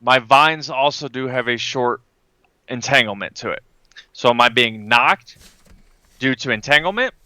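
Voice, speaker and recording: A man's voice: mid-range voice, unhurried, pauses often, sharp tone, no echo. A man playing a tabletop game, talking casually through the rules as a player.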